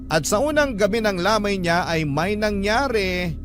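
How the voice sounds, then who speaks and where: A man's voice: sits high, animated, unhurried. Man narrating a radio drama over music. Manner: earnest storytelling, polite "po" address. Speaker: letter reader narrating a listener's story. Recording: music bed under the voice.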